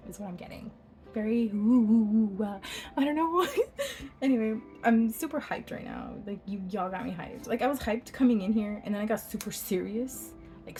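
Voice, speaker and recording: A woman's voice: on the high side, mellow. A woman doing a casual pick-a-card tarot reading, chatty and bubbly, laughing often and filling her talk with "like.".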